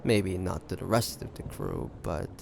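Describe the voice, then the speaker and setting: Guy acting as smug pirate captain, gravelly and unhurried, sly taunting roleplay talk, bit of background noise. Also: low voice, full character voice. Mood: amused, sizing up. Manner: taunting, deliberate, conspiratorial, with dry chuckles. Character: ambitious, shrewd, smug male pirate captain. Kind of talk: roleplay audio drama monologue addressed to listener.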